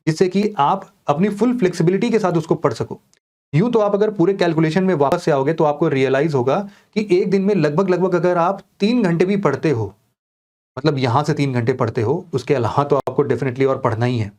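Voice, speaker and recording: An online exam coaching teacher with a slightly mellow voice on the high side walks aspirants through a course schedule. He talks conversationally, speaks to the students directly, and mixes English words into his Hindi.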